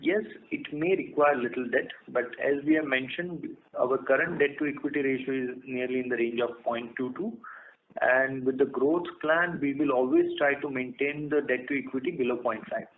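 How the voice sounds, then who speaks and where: An Indian man, a company executive, giving formal, measured answers to investors on a conference call. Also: medium pitch. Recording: muffled phone line with clear noise.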